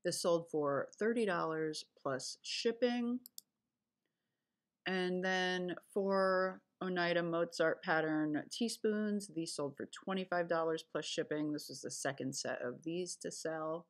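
A woman's voice: lowish voice, slow. A woman reseller casually recapping her recent sales over a screen recording, chatty and rambling with fillers and self-corrections. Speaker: online reseller.

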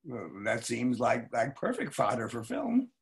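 An older man playing a wary, reflective novelist in a staged reading, speaking deliberately with some hesitation. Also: mid-range voice, huge pitch swings. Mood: guarded. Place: home study, video call.

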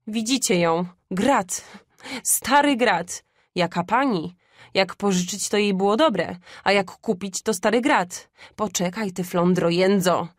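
A woman voicing a sick, desperate poor mother who trembles with anger and tires quickly. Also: medium pitch, no room sound, studio quality. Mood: angry. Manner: trembling with anger, then faint and exhausted.

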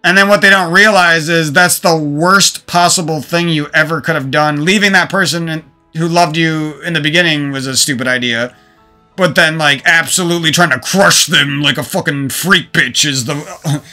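A man's voice: fairly high pitch, steady tone, moderate pace, bright, forceful tone, faint music behind. A man talking to his stream viewers into a desk microphone from a room at home, venting about past relationships in a rambling, profane way with many restarts. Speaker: gaming streamer.

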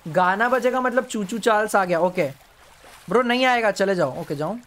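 A man's voice: high voice, normal speed, slight background noise. Jumpy male streamer yelping at a game. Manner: jumpy, yelps and pleads with the monster, then hushes to a whisper. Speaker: gaming streamer. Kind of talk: live gameplay commentary.

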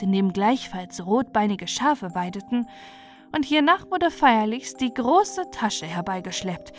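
A woman storyteller reading a scripted bedtime fairy tale. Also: medium pitch. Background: music.

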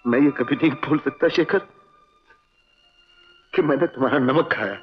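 An actor playing a loyal, wisecracking family friend in a 1960s Hindi film, joking at times and earnestly pleading at others. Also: male voice, mid-range voice, moderate pace, breathy edge, close to an everyday voice. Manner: joking one moment, pleading the next. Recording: dull old film soundtrack with music.

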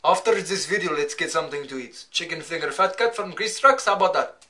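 A young man voicing a chatty middle-aged South Asian husband, speaking in a lower, hospitable way at a webcam at home. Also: brisk, sharp tone. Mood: inviting. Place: small decorated room at home.

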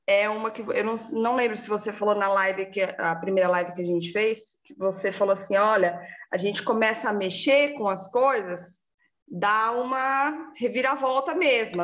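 A woman, giving a lively casual testimonial and acting out her own past words. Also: on the high side.

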